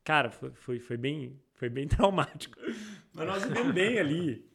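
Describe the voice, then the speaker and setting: His voice is fairly high and creaky, delivered at normal speed with a Brazilian Portuguese accent. The Brazilian entrepreneur, a casual interview guest, rambles through animated retellings and restarts often.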